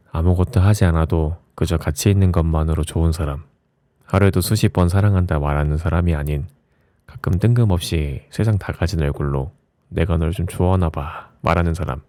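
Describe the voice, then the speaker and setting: A man with a low voice reads reflective essays as an audiobook narrator, in a soft ASMR style with a gentle, soothing bedtime delivery. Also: no echo, clean studio sound. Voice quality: low, mellow voice.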